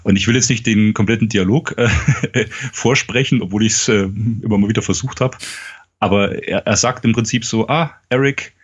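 A podcast host, a man with a low, husky voice, chats casually about a film and animatedly acts out its dialogue. The recording sounds dull and lo-fi. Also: moderate pace. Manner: animated retelling of scenes, acting out dialogue.

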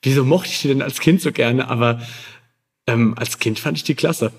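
A man's voice: mid-range voice, moderate pace. Male, mid-range voice, casual podcast guest, conversational, opinionated chat.

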